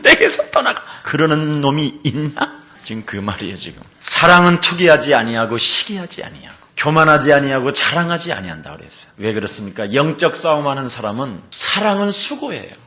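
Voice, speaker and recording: A male pastor preaching a Wednesday sermon in church, acting out family quarrels in different voices and breaking into shouts. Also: medium pitch, very animated, a little fast.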